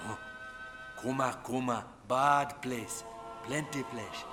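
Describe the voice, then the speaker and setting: A man's voice: medium pitch, slow, lightly acted. A man playing a menacing tribal island chief who speaks ominous broken English in a video game. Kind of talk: video game cutscene acting. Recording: music under the voice.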